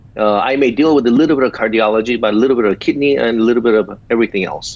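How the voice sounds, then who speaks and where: Speaking at a very fast pace, a man with a slight Korean accent talks at medium pitch with ordinary pitch variation. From South Korea. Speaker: physician. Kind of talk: interview. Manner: halting, many fillers.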